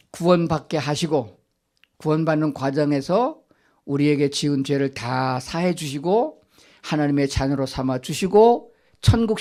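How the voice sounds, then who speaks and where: A man's voice: on the high side, darkish tone. Older male pastor, questioning sermon. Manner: asks the congregation rhetorical questions and answers them himself. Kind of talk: Sunday sermon. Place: church sanctuary.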